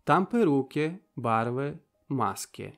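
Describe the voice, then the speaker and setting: A man's voice: medium pitch, expressive, slow, creaky, faint music behind. A man narrating an audiobook. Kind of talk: scripted literary narration.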